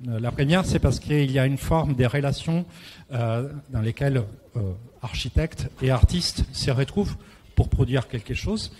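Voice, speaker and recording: A man's voice: mid-range voice, normal speed, a little mellow. A man with an Italian accent, a native Italian speaker, giving a semi-prepared talk and often searching for words. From Italy. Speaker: round table speaker. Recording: echoey hall, clear background noise.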